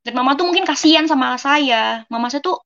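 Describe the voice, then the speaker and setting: A woman's voice: sits high, brisk, fairly bright tone, dull audio. A young woman from West Java giving a casual personal testimony, earnestly talking to her listeners as friends. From West Java, Indonesia. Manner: earnest, keeps addressing listeners as friends, acts out dialogue. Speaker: testimony speaker.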